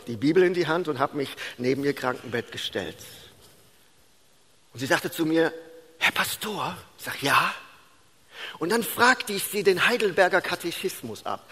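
A man in his fifties preaching a sermon as a pastor, telling stories and swinging from loud, emphatic lines to hushed ones. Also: a little high. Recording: long hall reverb.

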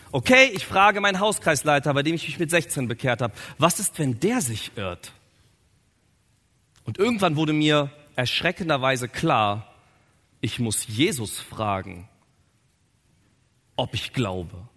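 A man preaching a sermon in an animated, conversational storytelling manner, recorded in a church hall. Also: mid-range voice, unhurried, long pauses. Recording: long hall reverb.

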